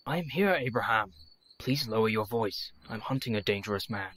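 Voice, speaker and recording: A man playing an earnest young doctor, measured and devoted, in a radio play. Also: fairly low pitch, animated, a bit bright. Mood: tense.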